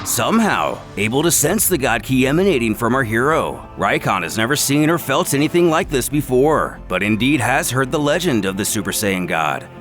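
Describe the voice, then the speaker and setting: Male storyteller, mid-pitched and highly animated, dramatic scripted narration over background music. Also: moderate pace, hardly any pauses.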